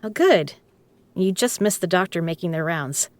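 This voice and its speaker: Woman doing a tough wry card shark lady for an audio drama, lowish voice, close dry sound, teasing. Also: animated, normal speed, a little mellow, dry recording, natural voice. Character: wry, tough female poker club owner, injured but teasing. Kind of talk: scripted audio roleplay spoken to the listener.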